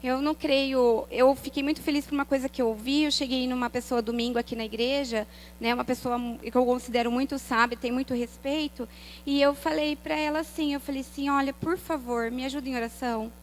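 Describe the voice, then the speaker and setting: A woman's voice: high-pitched, steady tone, a little fast, a little hiss or hum, rough recording. A woman with a Brazilian Portuguese accent preaching her first sermon at a church couples' event, hesitant, with many restarts and tag questions. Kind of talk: nervous first-time sermon to a congregation. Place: church hall.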